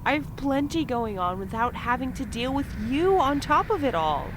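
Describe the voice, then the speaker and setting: A woman's voice: sits high, big pitch swings, normal speed, noisy background. An actress playing a guarded, exasperated and sarcastic woman in an audio drama, speaking bluntly. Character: exasperated, guarded, sharp-tongued woman facing her double. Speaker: fiction podcast actor.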